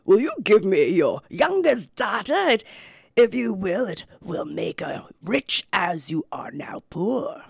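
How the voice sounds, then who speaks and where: A woman's voice: medium pitch, very animated, slow pace, vocal fry, slightly rough, no room sound, studio quality, heavily acted. A woman voicing a large, courteous male white bear while reading a folk tale aloud. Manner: polite, formal storybook speech. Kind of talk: storybook reading.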